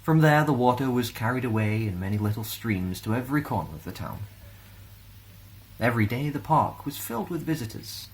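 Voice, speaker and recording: A man with a Scottish accent reading a children's fantasy story aloud in an expressive storytelling style. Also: mid-range voice, a little fast, poor audio. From Glasgow, Scotland.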